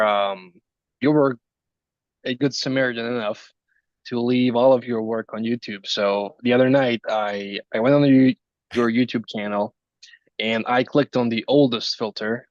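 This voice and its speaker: A man's voice: mid-range voice, fairly even intonation, unhurried, no room sound. A man in his early twenties chatting casually, teasing and laughing often. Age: 20s. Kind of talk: casual chat. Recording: dull, slightly lo-fi sound.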